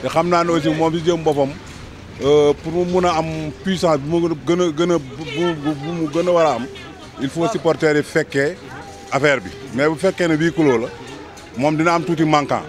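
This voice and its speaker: A middle-aged Senegalese man with a somewhat high voice talks earnestly, pausing and restarting while he looks for the right words. He speaks outdoors into handheld mics held close to his mouth. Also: steady tone, over music, a crowd in the background. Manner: earnest, halting, searching for words. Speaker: local resident interviewee. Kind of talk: street interview. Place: outdoors in front of a building. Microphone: handheld reporter mics held close.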